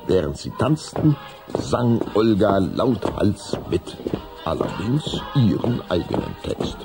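A man as a measured storybook narrator in a children's audio drama, reading a scripted story. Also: on the low side, sing-song, gravelly, over loud music, heavily acted. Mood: narrating.

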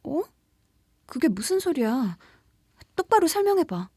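An actress playing a frightened young woman who recounts a ghost story in an intimate, suspenseful audio drama style, conversational and at times hushed. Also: sits high, big pitch swings, measured pace. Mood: startled, indignant. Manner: conversational, suspenseful, drops toward hushed whispers. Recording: background music under the voice.

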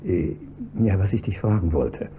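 An actor playing a wealthy, courteous husband who talks in a fussy, slightly hesitant way, on a dull, faintly hissy radio-play recording. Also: male voice, low-pitched, expressive, normal speed, mellow. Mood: concerned. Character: wealthy, genteel, trusting older husband. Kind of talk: 1970s-style German radio play acting.

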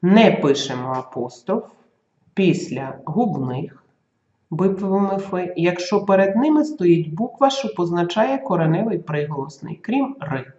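A teacher giving a school grammar lesson, dictating slowly and carefully and sounding out letters and example words. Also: mid-range voice, lively intonation, darkish tone, echoey room, dull audio.

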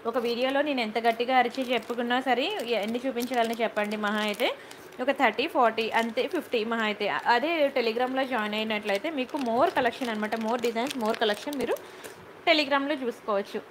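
A woman with a high, bright-toned voice hosts a live jewellery sale. She chats warmly with viewers, greets them by name and keeps asking "okay?" as she goes. A faint background hiss sits under her voice. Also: normal speed, low-quality recording. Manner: warm and chatty, greets viewers by name, repeats "okay?" to check in; mixes English words and phrases into her Telugu. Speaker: jewellery seller on a live stream. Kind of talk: chatty live sales stream.

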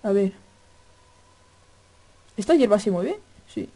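A male gaming YouTuber with a Spain Spanish accent, doing excitable horror let's-play commentary at a desk microphone, swearing often and yelling at scares. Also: high-pitched, slow. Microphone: desk microphone at a computer.

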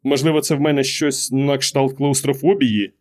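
A man reading an audiobook, voicing a quiet, withdrawn husband who gives terse, hesitant, muttered answers. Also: mid-range voice, steady tone, normal speed, close to an everyday voice. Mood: evasive. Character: quiet, withdrawn middle-aged husband, evasive. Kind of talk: audiobook character voice.

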